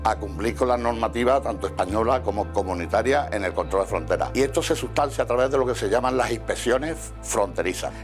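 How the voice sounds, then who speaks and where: A male official giving a formal, technical explanation in an interview, somewhat halting. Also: fairly low pitch. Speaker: border control official.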